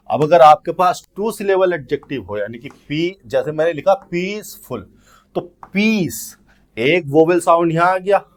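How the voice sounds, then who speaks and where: A man with as his teaching English grammar in an exam-prep lesson, explaining step by step and reading the English questions out slowly. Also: fairly high pitch.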